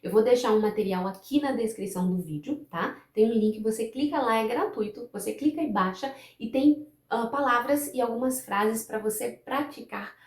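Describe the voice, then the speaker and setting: A woman whose first language is Portuguese teaches English pronunciation to camera, patiently repeating example words slowly for the viewer to practice. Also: a little high, roomy sound.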